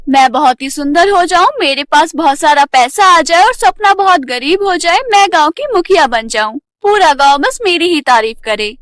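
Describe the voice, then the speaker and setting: A woman voicing a jealous, greedy young village woman in an animated story, scheming and pleased with herself. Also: high-pitched, normal speed, few pauses, dry recording, clean studio sound. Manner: scheming, self-satisfied.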